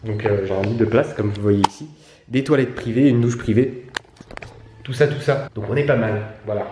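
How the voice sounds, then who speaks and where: A man's voice: medium pitch, normal speed, dark tone, slight background noise. A young man chatting casually and informally to a travel vlog audience in offhand, slangy speech. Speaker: travel vlogger.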